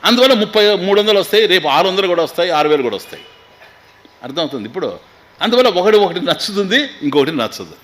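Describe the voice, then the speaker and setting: A man leads a scriptural discourse in a slightly high voice. He draws out the Sanskrit phrases slowly, then rattles off quick, humorous explanations in the style of a spiritual talk. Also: sing-song, a bit bright. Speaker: swami giving a spiritual discourse.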